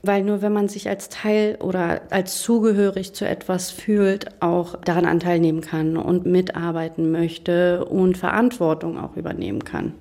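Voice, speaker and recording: A woman's voice: fairly low pitch, flat delivery, normal speed, hardly any pauses, dark tone. A woman managing director speaking earnestly in an interview about her project. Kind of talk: interview excerpt.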